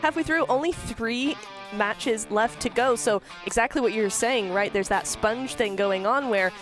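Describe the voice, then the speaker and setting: A woman with English as a second language, casting esports and agreeing often with quick remarks. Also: a little high, over music. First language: not English. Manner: agreeable, backchannels a lot, quick bursts. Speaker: esports caster. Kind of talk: esports analysis commentary.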